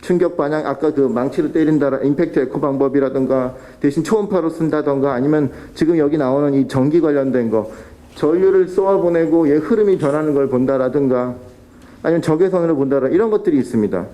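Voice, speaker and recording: A man's voice: a little high, fairly quick, dark tone. A man presenting at a policy forum, explaining technical methods with fillers and restarts. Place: council hall.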